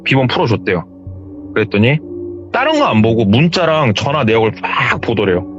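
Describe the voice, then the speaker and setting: A man's voice: medium pitch, fairly quick, faint music behind. A man casually retelling a true horror story he heard from someone, slightly muffled. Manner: lively, retelling hearsay.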